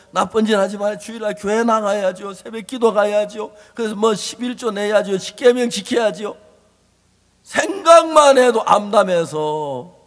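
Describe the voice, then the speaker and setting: High-voiced, impassioned male preacher. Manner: emphatic, repetitive, swinging from loud to hushed. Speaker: pastor. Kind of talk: impassioned sermon. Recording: long hall reverb.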